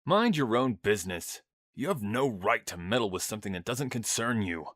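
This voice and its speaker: A man's voice: fairly low pitch, lively intonation, moderate pace, fairly bright tone. A man playing a possessive, easily riled boyfriend in an audio drama, speaking in a confrontational, threatening way. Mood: hostile.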